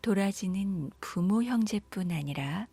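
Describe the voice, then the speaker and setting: Slow, husky woman storyteller. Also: mid-range voice, expressive, warm tone, no echo, soft background music. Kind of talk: scripted children's folktale narration.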